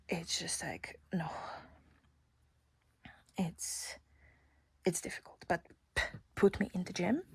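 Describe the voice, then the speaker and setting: A woman's voice: on the low side, gravelly, darkish tone, breathy edge, dry recording. A young woman whispering a casual personal story close to the mic, chatty and giggly.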